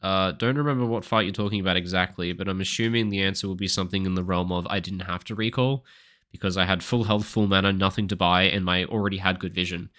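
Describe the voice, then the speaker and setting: A young Australian man talks through his game on a live stream, answering chat between picks. His voice sits fairly low but sounds bright and forceful. He explains strategy in a relaxed, chatty way with the odd swear. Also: quick pace. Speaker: streamer and coach.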